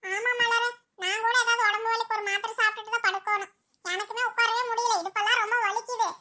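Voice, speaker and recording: A woman doing a shrill caring village aunt. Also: level tone, quick pace, sharp tone. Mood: weary chatting. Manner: caring, scolding, homely. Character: older village women of a big family, caring and scolding. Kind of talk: cartoon voice acting.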